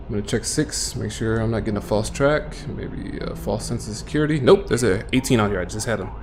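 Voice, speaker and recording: Mumbling at a very fast pace with hardly any pauses, a man is heard in audible room echo with noticeable background noise. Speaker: gaming streamer. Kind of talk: live gameplay commentary.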